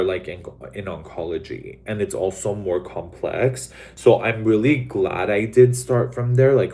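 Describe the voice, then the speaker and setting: A man's voice: low-pitched, darkish tone. A young man from Los Angeles chatting casually to live viewers, rambling with lots of "like" and "um" and swearing bluntly. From Los Angeles, USA. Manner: rambling, many fillers like "like" and "um". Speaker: livestream host.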